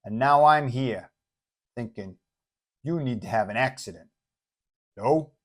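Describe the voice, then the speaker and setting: A hulking super-villain thug, acted out by a male narrator for a superhero story. He menaces with slow, understated threats at a medium pitch. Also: natural voice. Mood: menacing.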